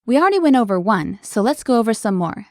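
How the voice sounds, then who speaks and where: A woman hosting a language lesson, explaining words clearly in an upbeat, scripted way. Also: a little high, big pitch swings, fast, dry recording, studio quality.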